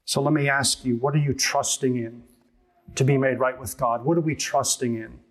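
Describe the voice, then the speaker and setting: A man's voice: mid-range voice, steady tone, normal speed. A man pastor preaching an earnest sermon, emphatic and full of rhetorical questions.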